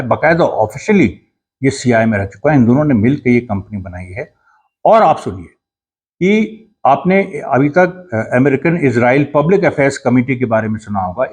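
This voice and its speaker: A man with a husky, slightly rough voice talks through a political commentary in an earnest, explanatory way. He pauses, backs up and restarts his sentences as he goes. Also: medium pitch, darkish tone. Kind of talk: casual commentary monologue.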